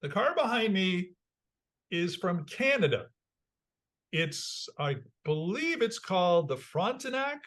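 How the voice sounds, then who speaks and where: A man hosting a car podcast in a studio, chatty and enthusiastic, with loud intro announcements. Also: sits high, very animated, slow. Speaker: podcast host. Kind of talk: casual talk show hosting.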